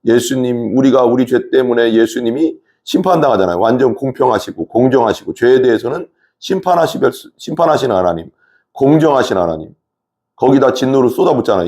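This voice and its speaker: A man preaching a Bible reading in a relaxed conversational way, asking his listeners questions and using frequent fillers. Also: medium pitch, brisk. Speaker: pastor. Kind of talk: Bible study sermon.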